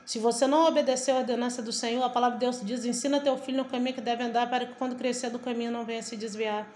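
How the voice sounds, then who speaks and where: Middle-aged brazilian woman preaching to camera, high voice, fervent and emphatic, keeps repeating herself. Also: fairly even intonation, racing, darkish tone, slight background noise. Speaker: evangelical preacher. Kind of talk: devotional video sermon.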